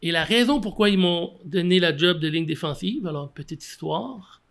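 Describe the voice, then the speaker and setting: A French-speaking man from Quebec, a football coach, telling stories in a casual interview, animated and full of fillers and restarts. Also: sits high, normal speed. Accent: Québécois French.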